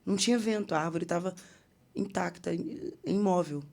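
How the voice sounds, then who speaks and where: A young woman telling a personal testimony on a podcast, animated, acting out the people she quotes. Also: lowish voice, normal speed, gravelly. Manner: animated, acts out quoted dialogue. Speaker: guest singer. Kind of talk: podcast testimony, casual storytelling.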